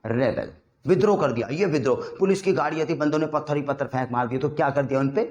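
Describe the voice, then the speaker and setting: A man in an echoey room gives a lively vocabulary lesson. His voice sits a little high for a man, and he acts out small scenes and quizzes his listeners as he goes. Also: quick pace, dull audio. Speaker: English vocabulary teacher. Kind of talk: casual Hindi lesson with acted-out examples.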